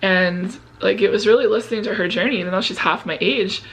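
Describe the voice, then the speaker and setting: A woman's voice: mid-range voice, fast talker, rough recording. A woman of about fifty talking casually and earnestly to her viewers in a confessional way. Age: 49, turning fifty. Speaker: vlog host. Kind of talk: casual personal chat to viewers.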